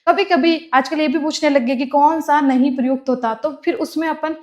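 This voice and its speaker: A woman's voice: high voice, fairly even intonation, normal speed, a little mellow. A woman teaches an exam-prep class. She repeats each term, then asks and answers her own questions. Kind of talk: classroom lecture.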